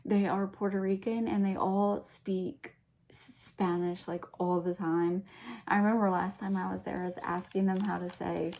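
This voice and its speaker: A young woman in a soft-spoken ASMR chat, rambling casually with lots of fillers and giggles. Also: medium pitch, flat delivery, normal speed, vocal fry. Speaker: ASMR creator.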